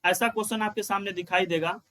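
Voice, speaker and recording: A man with a high voice teaches an exam-prep grammar lesson. He explains step by step, repeats the key lines and answers his own questions as he writes on the board. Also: fairly even intonation, fairly bright tone. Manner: chants rules in a slow sing-song.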